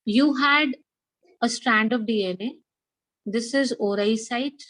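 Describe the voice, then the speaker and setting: A woman's voice: a little high, slow, a bit bright, dry recording, poor audio. A woman with a South Asian accent teaching a biology class, repeating key points and prompting students with questions. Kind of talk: interactive lecture with questions to students.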